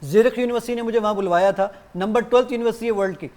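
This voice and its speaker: A man appearing as a guest on a TV show, demonstrating his app in lively detail and acting out both sides of his exchanges with it. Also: sits high. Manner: animated explainer who acts out exchanges with the app.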